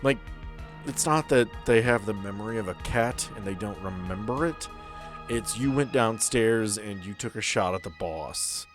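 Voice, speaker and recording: A man running a tabletop game as game master, describing scenes in a relaxed way with dry humor. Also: on the low side.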